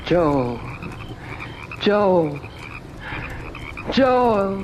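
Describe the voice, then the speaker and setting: An actress playing the sorrowful ghost of a dead wife and mother in a radio drama, speaking in a haunting, wistful, deliberate way. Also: mid-range voice, sing-song. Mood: tense, yearning. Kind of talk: slow dramatic radio ghost story monologue. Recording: muffled, noisy old radio recording, distant.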